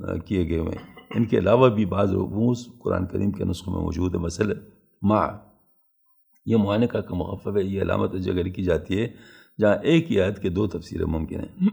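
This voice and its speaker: A man with a low, heavily gravelly voice teaches a religious lesson. His tone is dark and husky, and he explains methodically and patiently, one point at a time.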